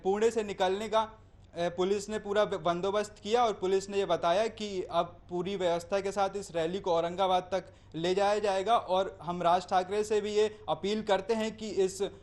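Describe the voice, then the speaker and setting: A man's voice: high-pitched, fairly even intonation, moderate pace, darkish tone. A man reporting live as a news correspondent, explaining in long, winding sentences with hesitations.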